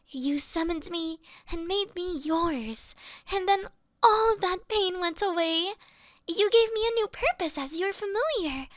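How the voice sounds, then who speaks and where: Girl doing a yandere demon servant, slow sweet talk, dry close sound, worships her mistress. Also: high-pitched, no echo, exaggerated voice.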